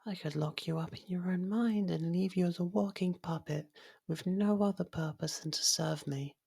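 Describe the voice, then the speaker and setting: A woman voicing a possessive, softly menacing fairy royal in love, coaxing in an ASMR roleplay and slipping into whispers. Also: on the low side, normal speed, gravelly, husky. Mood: possessive, calm menace.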